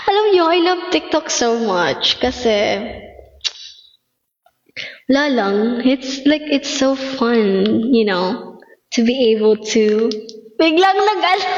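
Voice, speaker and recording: A young woman from the Philippines with a Filipino accent, chatting playfully with viewers on a livestream. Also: on the high side. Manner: playful, mixes English with Tagalog. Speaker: idol livestreaming to fans. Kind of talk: casual chat with viewers. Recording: echoey, dull livestream audio with faint music.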